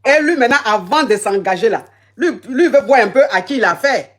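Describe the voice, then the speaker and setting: A woman's voice: fairly high pitch, expressive, fairly quick, slight background noise. A woman giving advice to a caller as a coach, emphatic and repeating words as she talks. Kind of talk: live call-in advice chat.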